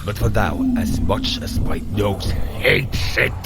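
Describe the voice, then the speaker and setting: An actor playing a hearty, commanding Norse warrior god in a fantasy audio drama, speaking in a grand, formal manner. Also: male voice, fairly low pitch, lively intonation, slow pace, creaky, heavy background noise, exaggerated voice. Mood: strategic, resolute. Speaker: actor in an audio fitness adventure.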